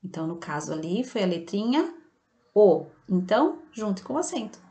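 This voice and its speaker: A Brazilian Portuguese-speaking woman teacher giving a slow, patient online grammar lesson to children, often checking in with the class. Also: mid-range voice, very animated, mellow. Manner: patient, slow and didactic, checking in with "tá bom?" and "certo?". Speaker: primary school teacher.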